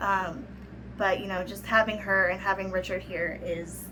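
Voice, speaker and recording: Audible room echo and noticeable background noise surround the speech. A woman talks fairly slowly. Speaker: vlogger. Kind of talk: casual vlog talk to camera. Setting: apartment bedroom.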